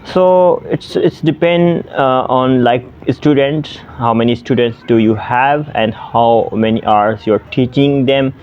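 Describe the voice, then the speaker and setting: A young man from Pakistan, native Sindhi speaker, chats to camera about tutoring online. His medium-pitched voice halts often on fillers and restarts. The audio sounds slightly dull and lo-fi. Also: slow, few pauses, a little mellow, a little hiss or hum. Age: 20s. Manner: hesitant, many fillers and restarts. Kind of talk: casual vlog to camera.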